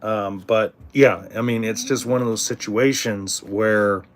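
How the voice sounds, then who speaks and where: A man's voice: lowish voice, fairly even intonation, measured pace. Middle-aged guy rambling on his livestream, blunt and casual, restarts his sentences a lot. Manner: rambling, with frequent ums and restarts. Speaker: RV livestream host. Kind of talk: casual livestream chat answering viewers.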